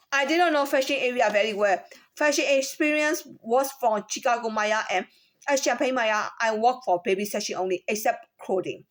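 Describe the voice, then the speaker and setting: A woman with a Chinese accent gives a halting personal account of a workplace complaint, often repeating words and asking rhetorical questions. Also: on the high side. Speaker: former store employee.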